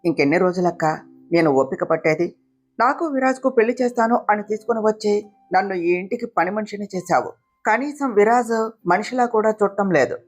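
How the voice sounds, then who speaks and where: A woman's voice: medium pitch, lively intonation, a little fast, faint music behind, natural voice. A woman voicing a scheming young woman who whines and accuses in a read-aloud family story. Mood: whining. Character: scheming young woman, fake-crying and demanding.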